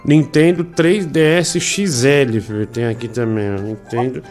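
A man from Brazil, hosting a casual live stream, slangy and teasing at an unhurried pace. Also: mid-range voice, fairly even intonation, darkish tone, soft background music. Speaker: livestream show host.

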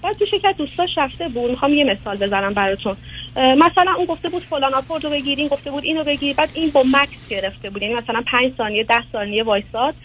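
A woman's voice: high voice, fairly bright tone, slight background noise. A woman calling in to a counseling show, telling her story in a rambling, emotional way over the phone. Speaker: caller. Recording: phone line.

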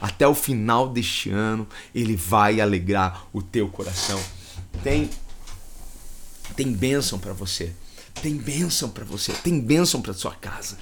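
A man's voice: on the low side, expressive, a little slow, slight background noise. A man with a Brazilian accent preaching a livestreamed sermon, fervent and repetitive, with emotional swells in his voice. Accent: Brazilian Portuguese.

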